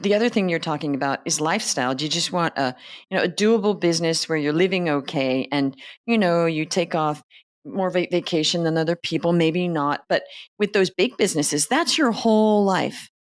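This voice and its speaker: A woman's voice: lowish voice, brisk. A woman hosting an interview podcast, chatty and affirming, with many fillers. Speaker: podcast host. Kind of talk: conversational interview.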